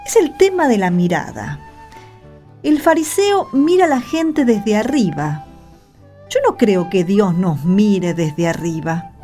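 A woman's voice: mid-range voice, animated, takes it slowly, dark tone. An Argentine woman speaking colloquially as a guest in a conversational radio segment. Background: music.

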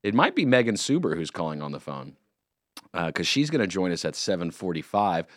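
A man hosting a morning radio show, chatting in a jokey, rambling, animated way in a studio. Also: sits low, a little fast, no room sound. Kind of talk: casual morning radio banter. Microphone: studio microphone.

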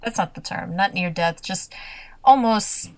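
A woman's voice: mid-range voice, unhurried, slight background noise. A young adult woman co-hosting a casual TV recap podcast, talking with lots of laughs and acted-out quotes. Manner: chatty, laughs often, acts out quotes. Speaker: podcast co-host.

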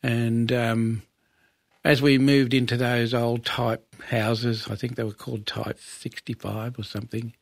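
Male, 70s, Aboriginal Australian accent. Creaky, weathered storyteller being interviewed, unhurried repeats and pauses, dry sound. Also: medium pitch, level tone, no room sound. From Western Australia. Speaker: interview guest, Aboriginal elder. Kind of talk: conversational reminiscence.

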